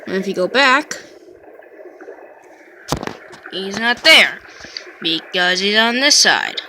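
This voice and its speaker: A woman's voice: medium pitch, animated, unhurried, sharp tone, a little hiss or hum, poor audio. A woman video creator speaking casually to her viewers.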